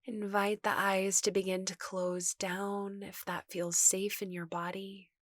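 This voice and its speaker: A woman meditation teacher giving guided meditation instruction in a gentle, reassuring, unhurried manner. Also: medium pitch, flat delivery, no room sound, studio quality.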